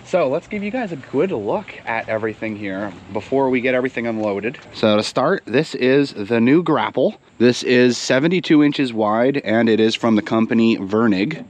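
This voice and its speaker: A man's voice: medium pitch, expressive, normal speed, hardly any pauses. A young man hosting a casual farm vlog, upbeat and chatty, sounding congested and nasal from a cold. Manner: upbeat, chatty, explains as he goes. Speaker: vlog host, stable manager. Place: in a truck and outdoors at a farm.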